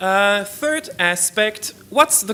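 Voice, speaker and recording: A man with a German accent speaks in a raised, projected voice. His pitch is high and swings very widely. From Germany. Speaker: academic researcher. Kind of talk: conference commentary. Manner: hesitant, with many fillers.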